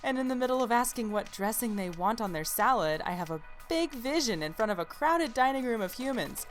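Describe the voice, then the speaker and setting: A woman playing a brisk, teasing young server chatting with friends in an audio drama. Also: fairly high pitch, lively intonation, faint music behind, lightly acted. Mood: resigned.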